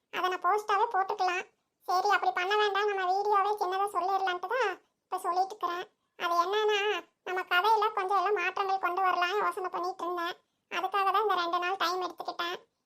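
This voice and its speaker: A woman speaks in a cartoonish character voice with an extremely high pitch. Her intonation stays flat and monotone at a moderate pace. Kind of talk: cartoon voice acting. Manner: chatty, homely.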